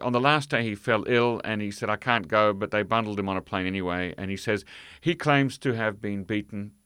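A man's bright, sharp voice in an Australian accent at a moderate pace, over a quiet background. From Australia, Melbourne. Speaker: Korea expert and commentator. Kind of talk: casual interview.

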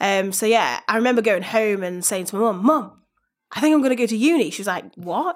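Recorded very cleanly with a silent background, a woman speaks fairly quickly in a northern English accent. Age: 20s. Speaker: agency founder and CEO. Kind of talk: casual interview.

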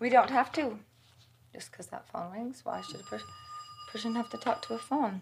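A woman speaks with long, frequent pauses and big swings in loudness. Noticeable background noise runs throughout. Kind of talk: heated argument, ranting at a phone and muttering. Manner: agitated, defiant, dramatic, sharp.

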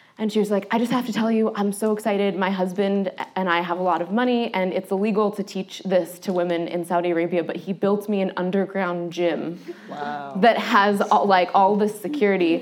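A woman with fairly even intonation talks while noticeable background noise plays behind her. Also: medium pitch for a woman, fairly quick pace. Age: 30s. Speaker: workshop leader and podcast host. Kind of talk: lecture to a live group.

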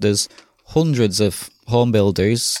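Spoken at a fairly slow pace in a northern English accent, the clip is a very clean recording with a silent background. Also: man. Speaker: web designer and emigrant. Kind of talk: casual interview. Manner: halting, with frequent repetitions.

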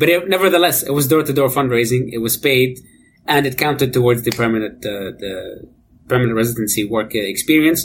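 Speaking with an Arabic accent, a man talks fairly quickly at a medium pitch with ordinary pitch variation. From Jordan (Amman). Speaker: nonprofit loan program worker, immigrant. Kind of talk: interview. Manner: halting.

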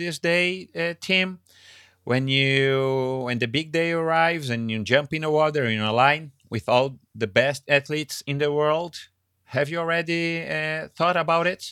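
A man with a Portuguese accent at a fairly high pitch and moderate pace, ordinary pitch variation, dry, close sound with no echo, and a very clean recording with a silent background. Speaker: podcast host. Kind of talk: interview; scripted narration.

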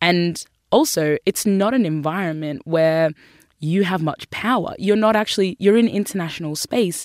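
A woman with an Australian accent speaks at a moderate pace and fairly low pitch with ordinary pitch variation, dry and close with no echo, on a very clean recording with a silent background. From Sudan-born, raised in Australia. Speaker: writer and broadcaster. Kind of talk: interview and talk excerpts.

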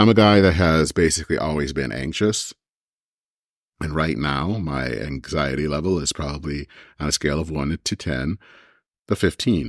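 A man talks at a moderate pace in a very deep, low voice with vocal fry and ordinary pitch variation, leaving long, frequent pauses. The recording is very clean, with a silent background. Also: dry, close sound with no echo. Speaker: podcast host, pastor. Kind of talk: scripted narration; casual conversation.

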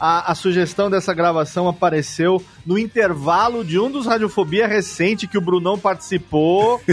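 Over background music, a man with a high pitch talks at a moderate pace with hardly any pauses and ordinary pitch variation. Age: 40s. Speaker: podcaster. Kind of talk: casual chat. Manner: animated.

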